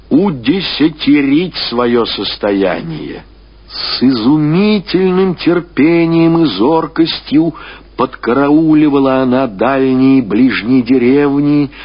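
A man reading classic literary prose as a radio narrator, in a measured, expressive storytelling manner with deliberate phrasing. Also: medium pitch, husky. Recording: dull lo-fi radio recording.

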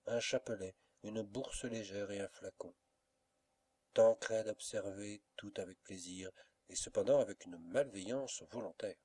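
A man narrating a classic novel as an audiobook, reading in a measured, steady way. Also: lowish voice, slightly rough. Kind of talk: scripted literary narration.

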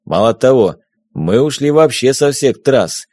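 A man's voice: mid-range voice, lively intonation, measured pace, darkish tone, no room sound. A man voicing a jovial, confident middle-aged German smuggler captain in an audiobook, with a teasing, confiding manner.

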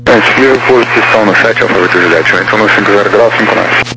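A man's voice: on the low side, quick pace, creaky. A man with a Brazilian accent working as an air traffic controller, giving clipped procedural calls over crackly, military-style radio. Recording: humming, noisy aviation radio.

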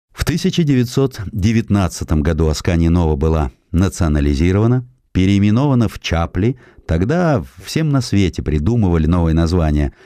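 A man reads a scripted historical essay as an audiobook narrator, in an expressive, measured storytelling manner. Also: low-pitched, no echo, clean studio sound. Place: studio.

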